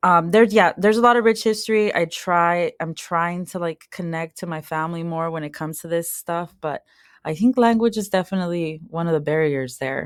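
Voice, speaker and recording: A woman with a Californian accent talks at a fairly quick pace with hardly any pauses. Her fairly low voice has ordinary pitch variation and big swings in loudness, in a dry, close sound with no echo. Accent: Californian American English. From Los Angeles, California. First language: Spanish. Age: 30s. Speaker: sports card breaker and content creator. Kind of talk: podcast interview.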